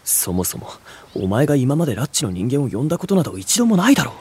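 A man's voice: medium pitch, very animated, fast talker, a little mellow, breathy edge. A man playing a stern, distrustful young older brother in a voice drama, curt, haughty and formal, protective and aloof. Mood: irritated. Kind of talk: Japanese voice drama acting.

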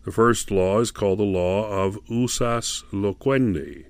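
A man with a fairly low voice hosts a Christian radio devotional from a studio. He speaks deliberately, as both announcer and Bible teacher, going back over details for his listeners. The sound is dry and close, with very little room in it. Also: no room sound.

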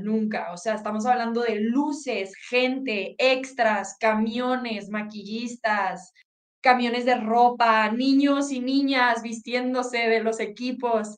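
A woman with a Mexican Spanish accent, an athlete and sports commentator, telling stories in a casual interview. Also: fairly high pitch. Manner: animated storytelling.

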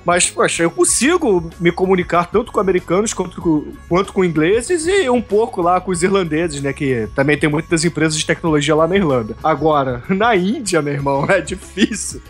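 A man with a Brazilian accent and a fairly high-pitched voice chats as a podcast co-host. He is casual and jokey, repeating phrases for emphasis. Faint music runs underneath. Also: expressive, brisk, few pauses. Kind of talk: casual, joking podcast chat. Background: background music.

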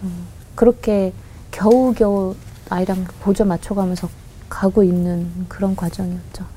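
A woman guest on a radio interview, earnestly recounting a personal story with halting restarts and quoted voices. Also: mid-range voice, flat delivery, mellow, slight background noise, rough recording. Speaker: guest, company head.

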